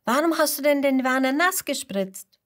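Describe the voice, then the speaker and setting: A woman's voice: high voice, animated, moderate pace, voice pushed up. Mats, a woman doing a kind little boy dinosaur. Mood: explaining. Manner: gentle, explaining patiently.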